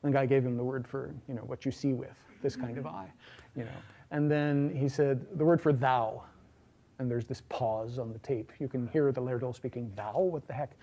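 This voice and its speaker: A middle-aged man giving a university lecture in a large hall, talking in a relaxed, chatty way with many fillers and asides. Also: mid-range voice, moderate pace. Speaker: linguistics lecturer.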